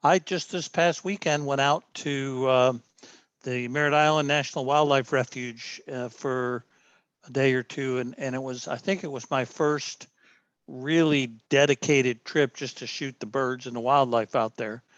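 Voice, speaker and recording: A man's voice: medium pitch, steady tone, a little slow, dry recording. A man hosting a club's video meeting, telling a rambling story full of fillers and restarts. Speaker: club meeting host. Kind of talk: casual chat on a video meeting. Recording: dull dry mic sound.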